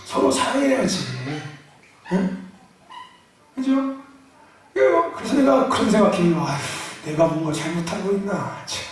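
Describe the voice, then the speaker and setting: High-pitched, shouting man preaching in an echoey church. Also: expressive, measured pace, pauses often, faint music behind. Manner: shouting, call-and-response, jokey asides. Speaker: pastor. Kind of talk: fiery sermon to a congregation. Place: large church sanctuary. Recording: echoey church hall from far off.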